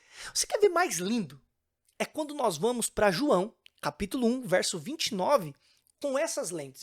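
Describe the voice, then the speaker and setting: Recorded dry and close with no echo against a silent background, a man speaks at a moderate pace in a high, animated voice with very wide pitch swings. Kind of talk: casual Bible teaching video.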